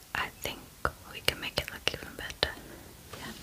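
A woman whispers. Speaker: ASMR creator. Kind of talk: ASMR personal attention roleplay, close-up whispering. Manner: whispered, soft-spoken, slow. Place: home room.

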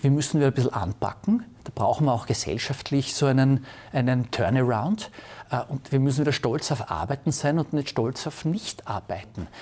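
A somewhat breathy man speaks at a moderate pace with lively intonation. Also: medium pitch for a man. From Austria, Upper Styria; Austria. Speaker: industry association executive. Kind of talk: TV interview. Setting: studio. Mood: earnest, critical. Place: studio. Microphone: lapel.

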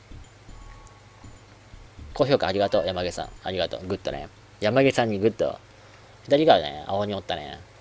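A man talks at a fairly slow pace, with big swings in loudness. Light background noise can be heard. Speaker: game streamer. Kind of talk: casual live-stream commentary. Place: home room.

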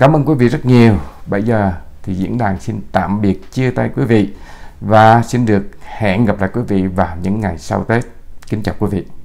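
This man has a dark, mellow tone and vocal fry at a fairly low pitch. He talks at a moderate pace. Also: ordinary pitch variation. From Vietnam. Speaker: journalist and channel host; journalist, channel host. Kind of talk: monologue commentary. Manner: formal. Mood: warm, festive, polite. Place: studio. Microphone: lapel.

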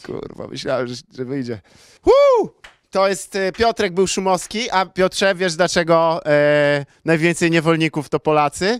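A man speaks in an animated tone at a moderate pace with ordinary pitch variation. The sound is dry with no echo, over a quiet background. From Poland. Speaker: stand-up comedian and host. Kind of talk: stand-up crowdwork, roasting and joking with audience members. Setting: live comedy club show with audience, streamed online. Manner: animated, sarcastic, teasing; bantering, with filler hesitations, improvised. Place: stage. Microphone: handheld.

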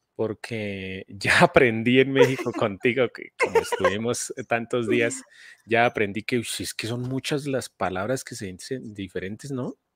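A man with a Colombian accent speaks fairly slowly with big swings in loudness, in a dry sound with no echo. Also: ordinary pitch variation. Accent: Colombian Spanish (Boyacá). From Colombia, Boyacá. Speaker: math teacher and YouTuber. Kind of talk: live stream chat. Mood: cheerful, laughing. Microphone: studio mic.

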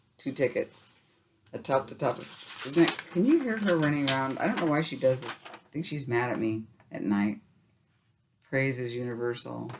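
Against noticeable background noise, a woman with a very deep, low pitch talks at a moderate pace with lively intonation and long, frequent pauses. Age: 50s. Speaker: crafts YouTuber; craft vlogger. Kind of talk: casual show-and-tell vlog. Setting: home art room. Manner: halting, many fillers. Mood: curious, warm.

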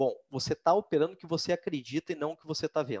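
Against a quiet background, a man's fairly high voice sounds dry and close with no echo. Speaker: professional trader. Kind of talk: live webinar presentation. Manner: casual, animated.

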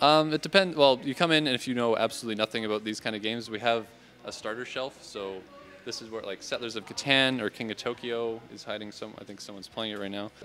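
Faint music plays in the background as a man speaks at a very fast pace. His pitch variation is ordinary. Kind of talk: interview answer. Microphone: handheld.

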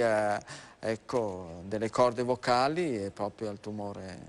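A man at a fairly slow pace. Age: 60s. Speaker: doctor; guest. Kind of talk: TV health talk show. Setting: studio. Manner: animated. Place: studio. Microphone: lapel.

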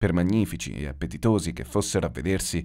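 A man with a very deep, low pitch and a dark, mellow tone speaks at a fairly quick pace, with vocal fry and very wide pitch swings, on a very clean recording with a silent background. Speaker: audiobook narrator. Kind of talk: scripted narration, audiobook reading of a gothic horror story. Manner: brooding, solemn, eerie.

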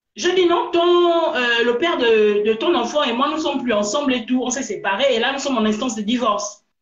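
A woman speaks at a moderate pace in a room with audible echo. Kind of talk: testimony. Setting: online live stream. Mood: defiant, indignant. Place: home room. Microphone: video call.

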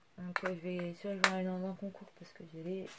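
A woman is talking. Loud background noise is present. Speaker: beauty vlogger. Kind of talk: casual haul vlog chat. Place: home room. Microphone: phone near.

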